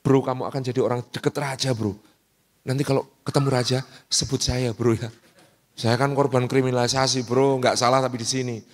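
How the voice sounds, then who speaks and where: A man's voice: mid-range voice, level tone, brisk, voice pushed down, natural voice. A man acting out a pleading imprisoned man who asks a friend for a favor, in casual slang.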